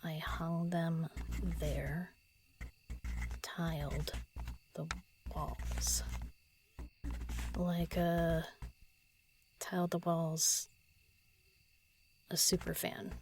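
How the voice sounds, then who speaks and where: A woman playing a solitary, pensive writer in an audio drama, murmuring halting lines to herself as she composes, often half-whispering. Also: sits low, level tone, darkish tone, exaggerated voice. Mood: pondering, self-critical. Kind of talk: intimate audio drama monologue, thinking aloud.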